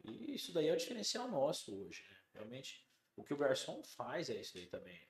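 A Brazilian man in casual podcast chat, telling kitchen stories with lively energy and putting on voices for the people he quotes. His voice sits at a middle pitch, and the room gives it a noticeable echo. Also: fairly quick. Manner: animated storyteller, acts out quoted dialogue. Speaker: podcast guest, chef. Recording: roomy studio sound.

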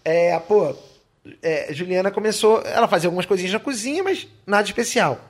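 A man's voice: sits high, lively intonation, a little fast. A man from Rio de co-hosting a casual podcast with his partner, laid-back and teasing. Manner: laid-back, says "cara" a lot, teasing. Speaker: podcast co-host. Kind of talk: casual couple chat.

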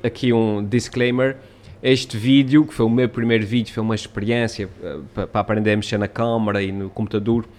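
A man's voice: fairly low pitch, level tone, a little fast, few pauses, darkish tone. Chatty man with a Portugal accent. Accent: European Portuguese. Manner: chatty and explanatory, with frequent fillers and tag questions. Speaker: YouTube creator. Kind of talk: casual chat.

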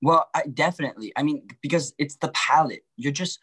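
A man's voice: on the high side, brisk, fairly bright tone, breathy edge. Man, casual podcast guest, rambling delivery, filler-heavy. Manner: rambling, lots of fillers and restarts. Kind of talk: casual chat.

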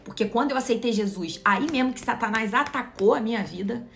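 A woman's voice: on the high side, fairly quick, gravelly, a bit bright, faint music behind. A young Brazilian woman speaking as a Christian mentor to her online followers, emphatic and direct as she preaches. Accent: Brazilian Portuguese. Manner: emphatic and direct, preachy, addresses the viewer as "you". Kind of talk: motivational live-stream talk to followers.

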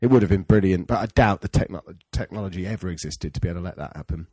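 A man's voice: low voice, very fast, mellow, dry recording. A man chatting casually as a podcast co-host, with a blunt, teasing manner. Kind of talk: casual chat.

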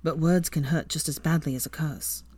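A woman voicing a young adult male wizard who is protective and possessive, speaking low and hushed. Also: fairly even intonation, brisk, breathy edge, dry recording. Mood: brooding.

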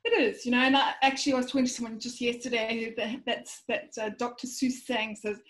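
A woman speaks openly to her coach, her voice pitched somewhat high. She thinks aloud, circling back with fillers and small hesitations. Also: fairly even intonation, a little fast. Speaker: coaching client. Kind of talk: reflective conversation.

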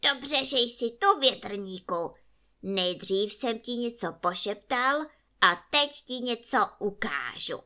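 A squeaky, cross little forest imp from a bedtime storybook, as a woman reader puts him on. He scolds in a very high, bright voice that leaps all over the place. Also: animated. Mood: sly. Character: grumpy prickly little male forest imp.

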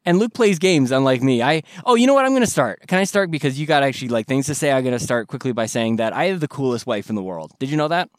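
A man's voice: mid-range voice, quick pace, few pauses, no echo, clean studio sound. A man in his thirties with a cold and a stuffy voice, hosting a podcast in a casual, joking way from his car over a laptop call. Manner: animated, self-deprecating, joking. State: congested with a cold. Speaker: podcast host. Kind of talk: casual chat. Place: in a car while driving. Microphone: laptop on a video call.

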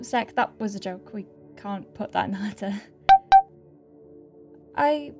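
A rookie woman doctor, played by an actress in a science fiction radio play. Her voice is mellow and mid-pitched. She is nervous and apologetic, hesitating, rambling and correcting herself as she goes. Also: natural voice. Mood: rambling, flustered. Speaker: doctor character in an audio drama. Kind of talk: science fiction audio drama acting.

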